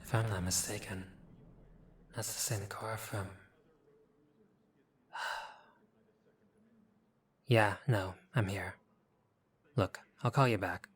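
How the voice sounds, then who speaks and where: Man acting a low-voiced, wary street gangster. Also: fairly even intonation, slow, pauses often. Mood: suspicious, exasperated. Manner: guarded, sardonic, casual street talk. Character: wary, streetwise young gangster for hire, gruff but decent. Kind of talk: roleplay audio drama acting.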